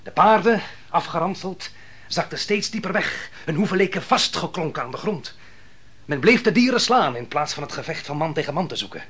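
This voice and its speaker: An actor playing a proud, ruthless biblical army commander in a radio drama, speaking in a grand, declamatory style. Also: male voice, fairly high pitch, expressive, fairly quick, a bit bright, breathy edge. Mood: fierce. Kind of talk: theatrical radio drama monologue and dialogue.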